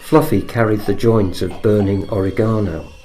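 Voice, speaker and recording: A man's voice: fairly low pitch, steady tone, moderate pace, mellow, slight background noise. A man narrating a scripted comic horror story as its storyteller.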